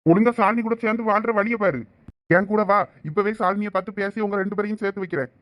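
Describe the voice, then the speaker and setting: A man's voice: high voice, steady tone, quick pace, fairly bright tone, no echo. A man voicing a loyal, hot-tempered young male friend in a cartoon, with a Thoothukudi Tamil accent. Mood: urgent. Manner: scolding, pleading with his friend. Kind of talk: cartoon voice acting.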